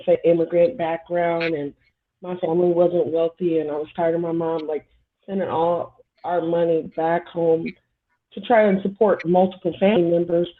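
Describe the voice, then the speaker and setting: A woman in her forties, born in Somalia, speaking as a guest on a casual panel chat in a candid, rambling way. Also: fairly low pitch. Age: 40s. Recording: tinny phone-like line.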